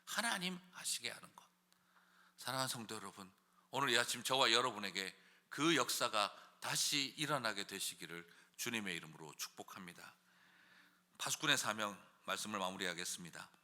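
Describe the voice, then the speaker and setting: A man preaching a dawn sermon as pastor, moving from soft musing to loud pleading shouts and asking the congregation rhetorical questions. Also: on the low side, a little fast, in a large hall. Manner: swings from quiet musing to loud impassioned shouting. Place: church sanctuary.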